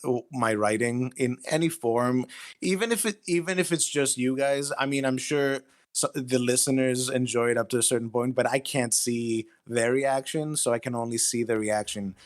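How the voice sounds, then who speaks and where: A man in his thirties speaking candidly and casually as an interview guest, with a halting, self-effacing manner. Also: mid-range voice. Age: 30s.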